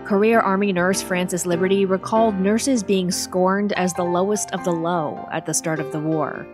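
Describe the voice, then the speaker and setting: A woman's voice: lowish voice, fairly even intonation, normal speed. Woman narrating a documentary over music. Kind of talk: scripted narration.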